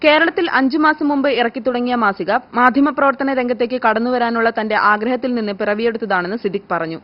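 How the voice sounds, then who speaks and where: A woman reads scripted news as a broadcast news reader. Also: quick pace. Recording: muffled, low-fidelity broadcast audio.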